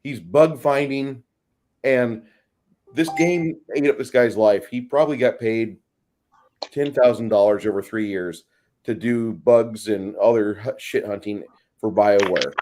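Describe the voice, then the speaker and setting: A man's voice: on the low side, a little slow, darkish tone. Sweary rambling guy chatting casually. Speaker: tabletop gaming show co-host. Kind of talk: casual chat.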